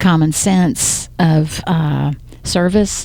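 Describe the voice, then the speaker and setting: A woman's voice, very deep and low in pitch. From Arkansas. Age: 70s. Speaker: city council member. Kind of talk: casual interview. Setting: studio.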